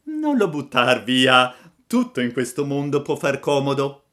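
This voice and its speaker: A man voicing a patient, kindly old woodcarver who lectures gently and slowly. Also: medium pitch, sing-song, pitched above the performer's own voice.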